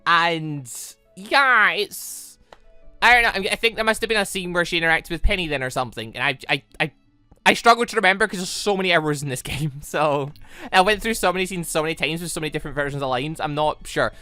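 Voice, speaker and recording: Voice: medium pitch, fast talker, pushed and bright, clean tone, dry recording, faint music behind. A chatty let's-play host, rambling casually and correcting themself mid-thought. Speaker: host of a gaming channel.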